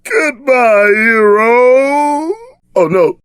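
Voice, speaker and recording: A man's voice: very high-pitched, expressive, drawn-out words, a bit bright, clear, resonant tone, no echo, exaggerated voice. An actor voicing a brash, trash-talking tough-guy sidekick in a video game, bombastic and streetwise in exaggerated combat barks. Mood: grieving.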